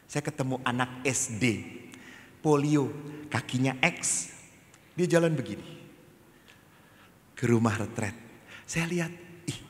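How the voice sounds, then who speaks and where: A male Catholic priest giving a sermon as a storytelling preacher who swings from hushed asides to loud, raised lines. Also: on the low side, in a large hall. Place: large hall.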